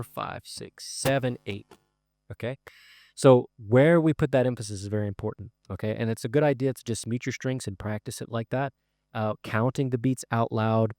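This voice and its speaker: A man teaching a guitar song in a casual, explanatory way, often pausing with uh and um. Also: on the low side, no room sound, clean studio sound. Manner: relaxed, explanatory, many fillers like uh and um. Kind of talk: casual spoken guitar lesson.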